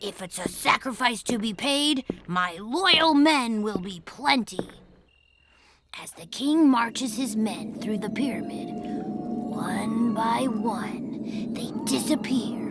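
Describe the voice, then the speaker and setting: Cartoonish character voice, female-sounding, fairly high in pitch and at a fairly slow pace. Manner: eager, theatrical.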